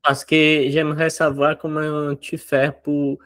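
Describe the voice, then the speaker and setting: A man hosting an interview in a learned language, his first language Brazilian Portuguese, pausing to search for words. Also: a little high, monotone, a bit bright, no echo, clean studio sound. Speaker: podcast host. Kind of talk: casual interview questions.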